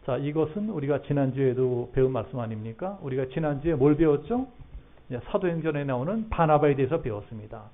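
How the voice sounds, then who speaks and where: A man's voice: medium pitch, lively intonation, a little fast. A middle-aged man preaching a sermon as a pastor in a church, talking in a conversational way and putting questions to the congregation. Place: church sanctuary. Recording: phone-like narrow band.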